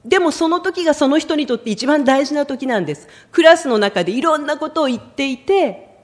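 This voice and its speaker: A middle-aged woman preaching a sermon in an expressive storytelling way, often acting out the lines she quotes. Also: sits high, brisk.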